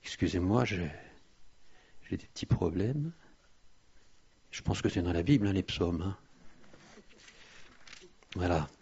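A man's voice: sits low, animated, unhurried, long pauses, dark tone, breathy edge. A male preacher giving a sermon, reading scripture aloud with swelling emphasis and breaking off into hesitant asides. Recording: slightly dull, dry lo-fi recording.

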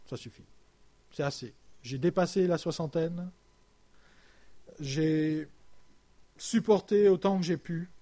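A man delivers a sermon as a story, his voice sitting a little higher than most men's. He speaks haltingly, restarting words and pausing on fillers. His sentences often sink low and soft as they end. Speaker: preacher.

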